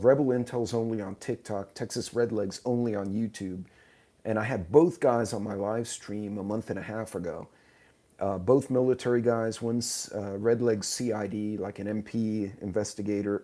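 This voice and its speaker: A hoarse man with a lowish, dark, mellow voice hosts a loose live stream from a tablet. He rambles, fumbles with settings, mocks himself and greets viewers one by one. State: hoarse from sinuses. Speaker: channel host. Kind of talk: casual live stream chat. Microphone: tablet mic in vertical live stream.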